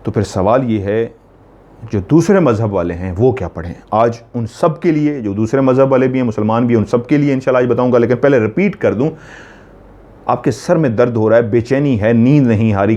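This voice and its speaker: A man's voice: mid-range voice, fairly quick, mellow, muffled recording. A man earnestly explaining spiritual remedies step by step, repeating each instruction to be sure it is followed. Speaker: spiritual healer teaching remedies.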